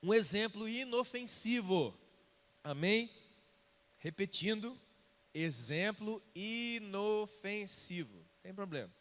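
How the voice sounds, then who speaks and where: A man preaching a sermon, lively and conversational, acting out little dialogues and asking the congregation questions. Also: high-pitched, long reverb tail. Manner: animated, acts out quoted dialogue, asks congregation questions. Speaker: pastor. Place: church sanctuary.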